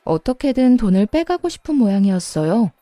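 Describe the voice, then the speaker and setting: A woman reads a first-person radio story in an exasperated, matter-of-fact tone. Her voice is slightly high and very mellow, recorded very dry and close. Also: very animated, a little fast, dry recording. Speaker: narrator of a reader's story, daughter-in-law. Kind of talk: Korean radio story reading.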